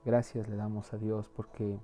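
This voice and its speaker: A low, very dark and mellow male voice delivers an earnest, pleading sermon, often stumbling and repeating words as he searches for them. Soft music plays faintly behind him. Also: flat delivery, moderate pace. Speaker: preacher. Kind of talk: sermon and closing prayer.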